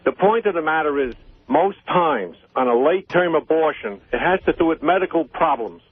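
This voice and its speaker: An older man calling in to a talk show, arguing insistently with halting phrasing. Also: a little high, expressive, slightly rough. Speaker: caller, the host's father. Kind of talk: opinionated phone-in talk. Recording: tinny, narrow phone line.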